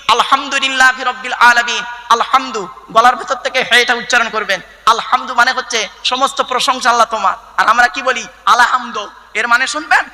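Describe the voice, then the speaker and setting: A man preaches a waz sermon through loudspeakers. His voice sits very high and sounds sharp and ringing. It trails off in a long reverb from the PA. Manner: emphatic, teaching, with many rhetorical questions. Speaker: Islamic preacher.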